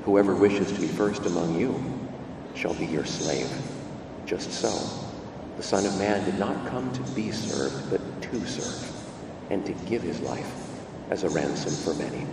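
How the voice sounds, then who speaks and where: Brief: lower-voiced male priest, lively emphatic preacher, cathedral echo in a large church, picked up from afar. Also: unhurried. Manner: lively preaching, leaning hard on key words. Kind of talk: gospel reading and homily at Mass. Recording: long church reverb, distant mic, room noise.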